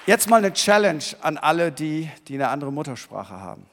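High-voiced man preaching in a hall. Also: sing-song, moderate pace. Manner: swings from quiet to shouted emphasis. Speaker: pastor. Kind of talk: sermon. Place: church hall. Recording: long reverb of a church hall.

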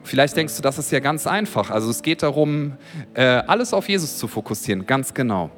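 A man pastor preaching a sermon, speaking directly and conversationally to his listeners, with frequent swells in pitch and volume for emphasis. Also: fairly quick, soft background music. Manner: lively preaching with sudden rises in pitch and volume.

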